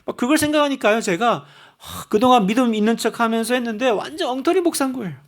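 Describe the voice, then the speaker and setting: A male pastor preaches in a church sanctuary. He talks in a high register that swings widely, shifting between chatty storytelling and fervent appeals. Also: quick pace. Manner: animated storytelling, rising to fervent exhortation. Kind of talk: sermon.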